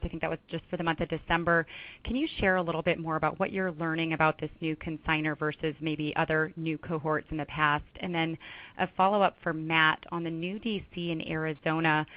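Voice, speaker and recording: A woman's voice: low-pitched, dry recording. A woman financial analyst asking conversational business questions over a conference call. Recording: dry, dull phone call audio.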